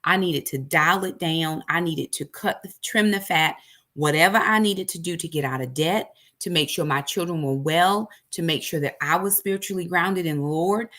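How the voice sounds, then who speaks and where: A woman's voice: fairly low pitch, normal speed, fairly bright tone. A woman, telling a personal faith story in an emphatic, preacherly way, full of repetition. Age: 40s. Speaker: ministry host. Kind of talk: personal testimony.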